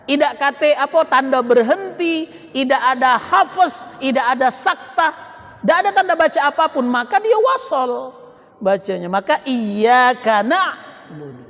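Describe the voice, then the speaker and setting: A man giving a Quran study lecture as a religious teacher, slowly drawing out recited Arabic phrases and repeating his explanations. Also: very high voice, lively intonation, fairly bright tone. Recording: echoey hall, dull lo-fi sound.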